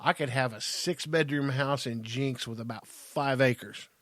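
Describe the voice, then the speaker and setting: A man's voice: mid-range voice, measured pace, fairly bright tone. A man in his fifties with an American accent, bantering casually and crudely as a podcast co-host, with emphatic delivery. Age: 50s.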